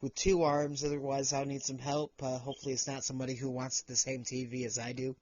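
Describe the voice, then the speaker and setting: A man's voice: mid-range voice, little pitch movement, fast, a little mellow, dull audio. A man hosting a Christian music podcast, chatting easily with some joking and fillers, then reading news. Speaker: podcast host and news reader. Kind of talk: casual interview chat and read news segment.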